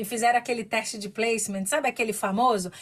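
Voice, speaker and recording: At a very fast pace, a woman speaks in a fairly high, somewhat breathy voice with ordinary pitch variation. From Brazil. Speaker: English teacher. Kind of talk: personal story. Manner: conversational.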